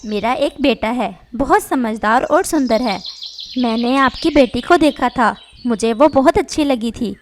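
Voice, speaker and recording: A woman's voice: fairly high pitch, animated, a little slow, slight background noise. A woman voicing a kind, motherly neighbor bird in a cartoon, speaking in a reassuring way. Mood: polite.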